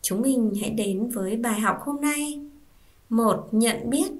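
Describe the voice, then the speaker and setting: A woman's voice: on the high side, measured pace, darkish tone. A woman teacher giving a first-grade reading lesson, patiently spelling out sounds and asking the children to repeat. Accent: Vietnamese. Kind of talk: slow, clear classroom reading lesson.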